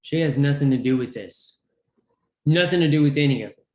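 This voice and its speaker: Male actor as protective prisoner, drama, medium pitch, defiant, clipped, echoing room. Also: brisk, a little mellow, natural voice. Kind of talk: scripted drama table read.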